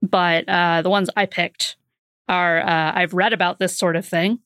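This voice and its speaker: A woman's voice: fairly low pitch, little pitch movement, measured pace, fairly bright tone, smooth, no echo, clean studio sound. A woman casually describing her character in a tabletop game, chatty with frequent fillers and laughs. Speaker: player.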